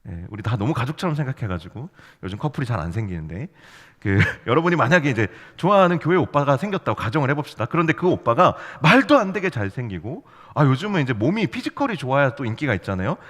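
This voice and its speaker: In a church sanctuary with long hall reverb, a youth pastor preaches a playful, story-driven sermon packed with rhetorical questions for the congregation. His mid-range voice is a bit bright, very animated, and fast.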